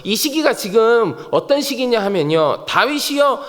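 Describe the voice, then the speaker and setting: A male pastor preaching a sermon, animated and vivid, acting out quoted speech in a church. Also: very high voice, moderate pace. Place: church sanctuary. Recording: reverberant church hall.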